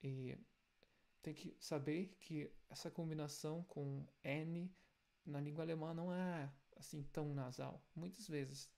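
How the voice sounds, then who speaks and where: A man with a German accent teaches his native language's pronunciation, breaking each point down and sounding out examples slowly. His voice is gravelly and sits a little high, and he keeps an even, level tone throughout. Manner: explains step by step, repeats example sounds slowly. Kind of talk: language lesson video.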